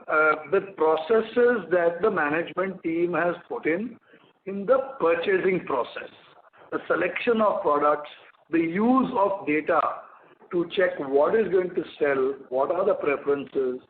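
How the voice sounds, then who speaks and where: A man with an Indian accent answering investor questions as a company executive, in measured, hesitant phrasing with frequent pauses. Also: a little high. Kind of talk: earnings call answers. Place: conference call line. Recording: echoey, muffled conference call audio.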